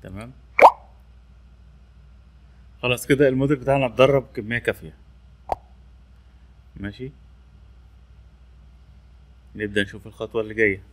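A man with an Egyptian Arabic accent runs a casual screen-recorded tech tutorial, repeating labels as he demonstrates a training tool. His medium-pitched voice moves fast but breaks into long pauses.

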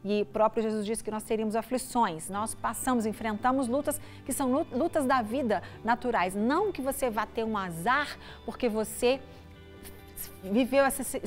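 Her voice sits on the high side and moves at normal speed, with faint music in the background. A middle-aged pastor with a Brazilian Portuguese accent, she delivers a short devotional talk to the viewer on a TV studio set via a lapel mic, chatting casually and often asking "né?".

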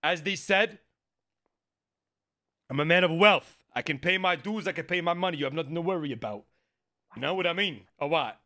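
A man roleplaying in a mock courtroom with a put-on New York Italian accent, pleading in mock-formal tones and breaking into hushed asides. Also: on the high side, lively intonation, moderate pace, pauses often.

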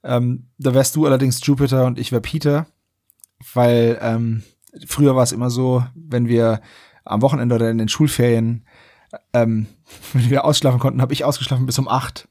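A male podcast host talks in a relaxed, conversational way. His voice is rather husky and mid-pitched, and the sound is dry with hardly any room to it. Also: normal speed, dry recording. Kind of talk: casual podcast chat.

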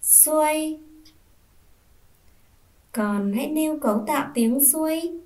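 Teacher lady, super slow and careful, higher voice, spells out sounds for little kids. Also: expressive. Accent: Vietnamese. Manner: patient, spelling out sounds and inviting children to repeat. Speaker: first-grade teacher. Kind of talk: slow, clear classroom reading lesson.

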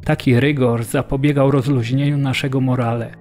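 An actor playing an earnest prisoner who recounts his captivity in measured storytelling for a radio documentary drama. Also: mid-range voice, fairly even intonation, a little mellow, natural voice. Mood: earnest, sober. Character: earnest male Polish prisoner recalling hunger and discipline.

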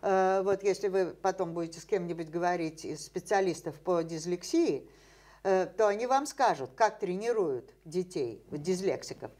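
A woman's voice: on the low side, normal speed, a little mellow. An older woman, a scientist guest in an interview, explaining ideas at length with many fillers and rhetorical questions, seated in a dim indoor room.

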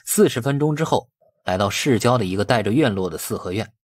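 A man's voice: on the low side, lively intonation, fairly quick, dry recording, studio quality. A man reading a novel aloud as scripted, dramatic audiobook narration.

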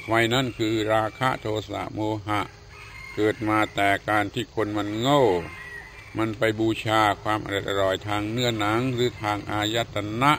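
An older man, a Buddhist monk from Thailand, giving a slow, measured sermon with occasional hesitant fillers. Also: lowish voice, steady tone, a bit bright, a little hiss or hum.

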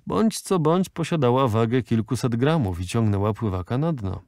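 A man reading a classic novel aloud as an audiobook narrator, in a measured, literary way. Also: medium pitch, lively intonation, darkish tone, no echo, studio quality.

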